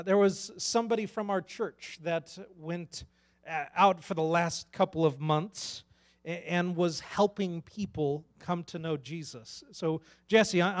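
A man preaches from a church stage, talking earnestly and casually into a handheld mic. His voice sits a little high for a man, and he often restarts his words. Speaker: pastor. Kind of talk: sermon.

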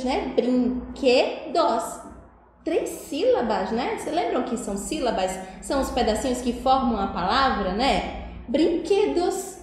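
With a high, slightly mellow voice and a Brazilian Portuguese accent, this Brazilian teacher coaxes young children through a video lesson in a sing-song way, peppering them with questions. Faint noise and strong echo fill the room.

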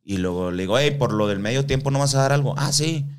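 A man's voice: medium pitch, animated, fast, clear, resonant tone. A man from Mexico, telling stories in casual, slangy speech full of swearing and acted-out quotes. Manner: slangy, swears a lot, acts out quoted voices. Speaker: guest. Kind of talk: casual storytelling.

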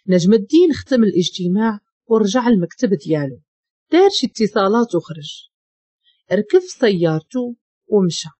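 Husky Moroccan woman narrating a story. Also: medium pitch, dark tone, dry recording.

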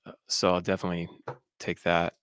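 A man in his thirties hosting a podcast from a home studio room on a boom-mounted studio mic, talking in a laid-back way and reading viewer comments aloud. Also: completely flat delivery, fairly quick, a bit bright, clear, resonant tone, no echo. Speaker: podcast host. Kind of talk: casual interview chat.

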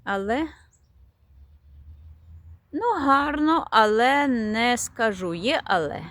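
A woman's voice: a little high, expressive, takes it slowly, a bit bright. A woman chatting fondly as she walks through her garden, showing plants and now and then searching for their names. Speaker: garden vlogger. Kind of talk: casual garden tour vlog. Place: outdoors in a garden.

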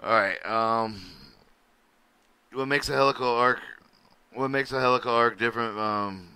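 Sitting at his computer for a screen recording, a man haltingly reads a welding manual aloud, stumbling over words and restarting often. His medium-pitched voice is pushed and bright, clear and resonant, with no echo, and he keeps a measured pace.

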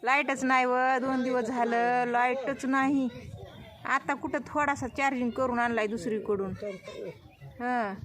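A woman's voice: high-pitched, fairly even intonation, unhurried, crowd noise. A middle-aged woman chatting casually to her viewers in a village vlog, checking in with "hm?" and "haan?" as she talks. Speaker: village vlogger. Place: outdoors in a village.

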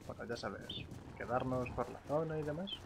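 Spanish man, halting, casual gamer chat. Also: mid-range voice, background noise. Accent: Spain. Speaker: gamer role-playing online. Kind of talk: casual in-game roleplay chat.

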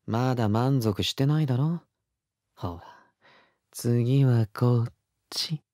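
A man acting a slow, teasing young boyfriend. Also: mid-range voice, warm tone, dry recording, clean studio sound, lightly acted. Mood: teasing, cocky. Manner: slow, breathy, teasing, rough casual speech. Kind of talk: intimate audio drama, whispered ear-side roleplay. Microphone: close studio mic, dry.

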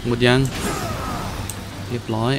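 A gaming host gives slow, casual gameplay commentary that's playful and crude, full of slang and frequent exclamations. Heavy background noise and game music play behind his voice.

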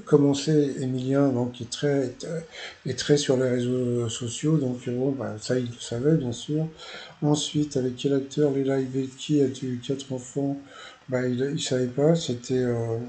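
A man talks through a quiz show episode in a loose, rambling recap, stopping and restarting often. His voice is dark and mellow. A faint hum of ambience sits behind him. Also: mid-range voice. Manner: rambling, full of fillers and restarts. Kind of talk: casual recap commentary.

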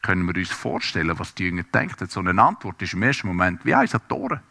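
A man's voice: sits low, big pitch swings, fast talker, gravelly, sharp tone. A man preaching a sermon, speaking earnestly and directly to his listeners. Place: church service, also streamed to homes.

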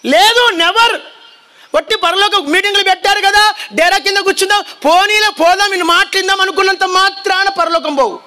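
A man preaching a fiery sermon to a congregation, shouting warnings and calling on listeners to repeat his words back to him. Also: very high voice, fairly even intonation, quick pace. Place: church hall before a congregation.

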